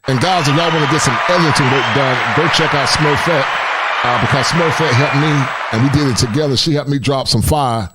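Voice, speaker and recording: Male podcast host, mid-pitched and easygoing, does shout-outs and asks questions. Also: fairly quick, a loud crowd, very noisy. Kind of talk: casual podcast chat.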